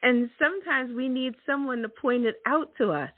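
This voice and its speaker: A woman's voice: sits high, moderate pace, dry recording. A middle-aged woman hosting a motivational talk, emphatic and repeating her key words. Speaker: host. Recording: thin phone-like sound.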